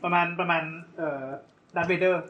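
A man's voice: high-pitched, little pitch movement, fairly quick, dull audio. A man co-hosting a casual podcast chat, explaining a topic at length, step by step. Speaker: podcast co-host.

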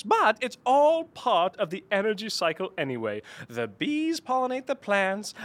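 An actor playing a gleeful, unhinged mad scientist in an audio drama, with a theatrical, wildly swinging delivery. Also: male voice, extremely high pitch, fairly bright tone, heavily acted.

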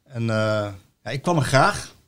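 A Dutch man chats casually about football, spinning long anecdotes. His voice sits in an ordinary middle pitch, and he stumbles through many restarts and fillers as he goes. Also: lively intonation, a little slow, a bit bright, clean tone.

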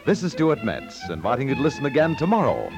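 A man's voice: mid-range voice, very animated, fast talker. A man with an American accent reading scripted announcements in the style of 1950s network radio. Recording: dry 1950s radio studio, faint music.

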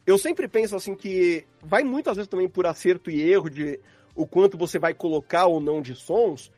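A Brazilian man with a high voice chats on a podcast. He explains casually through examples and slang, recorded dry and close with music behind. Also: moderate pace, darkish tone, no echo. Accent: Brazilian Portuguese. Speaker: podcast guest, audio drama sound designer.

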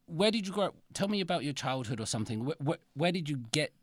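A woman's voice: low-pitched, expressive, fast talker, no room sound. A woman interviewer in casual chat, encouraging, with many listening noises and repeated words as she starts questions.

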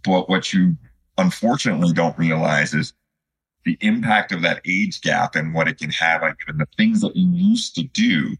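A man in his fifties from Chicago, answering as a podcast guest in a conversational, halting and reflective way. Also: low voice, sing-song, a bit bright, husky. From Chicago, United States. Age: 50s. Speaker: podcast guest, student physical therapist.

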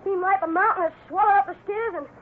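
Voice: very high voice, fast. A performer playing an eager, plucky young boy in a radio Western, with wide-eyed, earnest exclamations. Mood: amazed, eager. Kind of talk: 1950s radio Western acting. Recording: noisy, tinny old radio recording.

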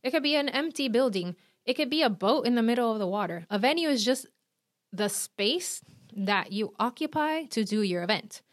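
A woman's voice: on the high side, no room sound, clean studio sound. Chatty Puerto Rican woman event planner. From Puerto Rico. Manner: energetic, chatty and direct, with quick asides. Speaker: event planner and podcast host. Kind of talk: instructional talk.

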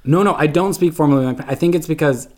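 A man's voice: fairly high pitch, very fast. A young man from Canada telling stories in casual podcast chat, peppering his speech with "like". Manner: chatty storyteller, constant "like". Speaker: podcast guest.

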